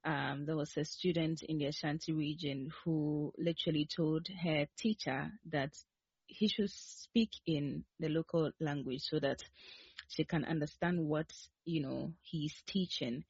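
Woman, co-host, husky breathy voice, steady summarising, dry muffled audio. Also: low-pitched, a little slow, no room sound. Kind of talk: brief wrap-up report.

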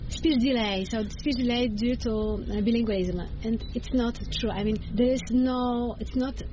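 A woman's voice: on the high side, moderate pace, background noise. A woman whose first language is Polish, speaking English with a Polish accent as a bilingual education coach, explaining earnestly with frequent hesitations. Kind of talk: interview answers. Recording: slightly dull with faint ambience.

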